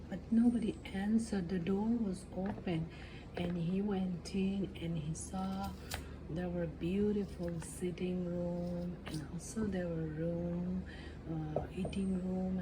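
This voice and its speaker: A woman telling a fairy tale as an ASMR storyteller, in simple, halting, improvised phrases. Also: on the low side. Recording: clearly noisy background.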